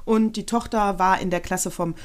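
A woman's voice: medium pitch, steady tone, moderate pace. A middle-aged woman co-hosting a podcast, chatting casually and telling rambling anecdotes full of restarts. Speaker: podcast co-host. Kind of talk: casual chat.

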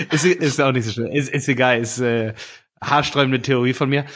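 A man's voice: medium pitch, lively intonation, a little slow, bright, forceful tone, breathy edge. A man co-hosts a casual podcast, explaining things with eager energy. He often stops on fillers and restarts before pushing on with his point. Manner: explaining, enthusiastic, hesitant fillers. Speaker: podcast co-host, ads course seller.

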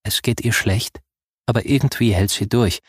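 A man voicing a calm male hospital doctor who speaks quietly and plainly. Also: fairly low pitch, normal speed, slightly rough, no room sound, clean studio sound. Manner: quiet, matter-of-fact.

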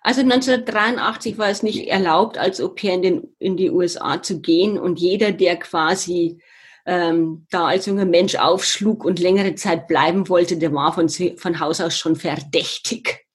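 A woman's voice: on the low side, moderate pace, slightly rough. An older woman, a podcast guest, tells her life story in an earnest, reflective way with some hesitations. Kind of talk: personal storytelling in a conversation.

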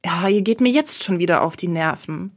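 A woman's voice: lowish voice, normal speed. A woman voicing a defensive, indignant young woman. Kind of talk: audiobook role reading.

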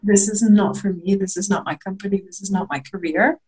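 A woman's voice: medium pitch, a little fast, darkish tone, low-quality recording. A young woman from Lithuania, a guest in a candid interview, talking reflectively with hesitant restarts and small laughs.

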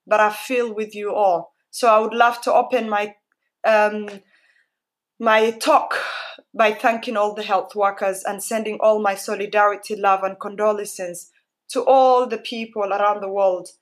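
A woman with an East African accent giving a personal talk in a heartfelt, emphatic manner, often repeating phrases for emphasis. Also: medium pitch. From Somalia-born, raised in Kenya. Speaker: guest speaker.

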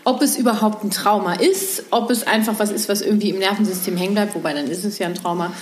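A woman's voice: medium pitch, fast talker, echoey room, a little hiss or hum. A woman co-hosting a podcast in casual chat, rambling, telling stories and laughing often. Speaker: podcast co-host.

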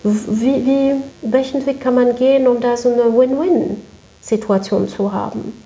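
Female interview guest, fairly high but soft-toned, emphatic repetition, conversational, slightly muffled room recording. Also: fairly even intonation, unhurried. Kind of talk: conversational interview, recounting work experience. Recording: echoey room, dull muffled sound.

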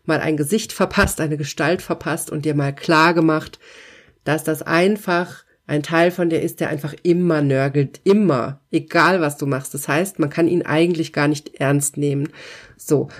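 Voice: mid-range voice, steady tone, normal speed. A coach who runs hypnosis sessions gives a self-help talk, speaking straight to the listener in an encouraging, emphatic way with repeated affirmations. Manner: warm, encouraging second-person address with repeated affirmations; emphatic, pointed phrasing.

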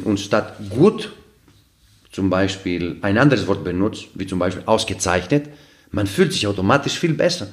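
A man with a slightly low voice who is not a native speaker talks as a podcast guest. He explains things earnestly, one everyday example after another, with frequent fillers and restarts as he hunts for the right word. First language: not German. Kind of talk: casual explanatory talk.

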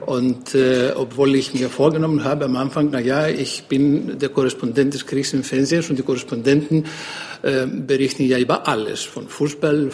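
A man's voice: medium pitch, slight background noise. A man, a foreign correspondent introducing himself on a panel, hesitating often with fillers. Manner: halting, many fillers.

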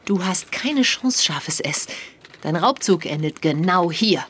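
Brief: woman as bossy agent chief, theatrical and accusing, slow delivery with a lively, swooping pitch. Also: husky, exaggerated voice. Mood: commanding. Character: bossy female agent leader, power-hungry. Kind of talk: comedic hobby audio drama.

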